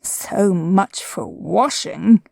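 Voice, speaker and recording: A glum old donkey grumbles at a crawl, put on by a woman reading aloud. The tone is mellow and breathy, each complaint drawn out. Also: mid-range voice, no echo, clean studio sound, exaggerated voice. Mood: grumbling. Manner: slow, mournful grumbling.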